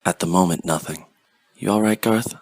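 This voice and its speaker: A man playing a composed detective superhero in an audio drama, measured and businesslike. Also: deep voice, breathy edge, no echo. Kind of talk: amateur audio drama acting.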